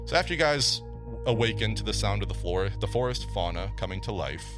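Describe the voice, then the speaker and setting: A man's voice: lowish voice, animated, brisk, music in the background. A man hosting a tabletop game podcast as game master, chatting casually and recapping the story, with frequent stumbles and laughs. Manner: chatty, stumbling over words, laughs often.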